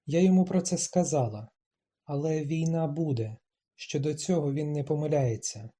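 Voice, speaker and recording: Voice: medium pitch, moderate pace, close to an everyday voice. An audiobook reader voicing a proud, stubborn young woman who speaks in clipped, emphatic lines and rises into defiant outbursts. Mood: cool. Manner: clipped, emphatic, rising to shouts.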